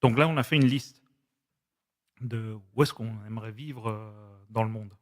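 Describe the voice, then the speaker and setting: A man in his forties, a Spanish speaker, telling his story as a podcast guest in a measured, reflective way. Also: fairly low pitch. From Switzerland. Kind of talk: casual conversation.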